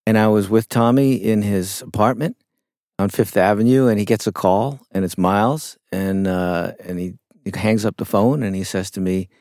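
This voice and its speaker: A middle-aged man with a low, gravelly voice tells stories slowly and thoughtfully as an interview guest. He pauses often with fillers. The sound is dry and close, with no room echo. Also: darkish tone. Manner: reflective, unhurried, with frequent fillers. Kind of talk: conversational interview storytelling.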